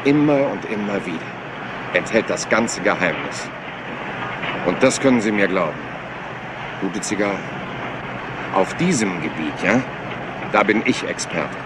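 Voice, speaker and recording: An actor playing a rumpled, apologetic yet stubbornly probing police inspector in a German crime drama, hesitant and folksy. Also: male voice, sits low, lively intonation, unhurried, long pauses, very noisy. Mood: insistent, puzzled. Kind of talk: German crime drama dub, conversational acting.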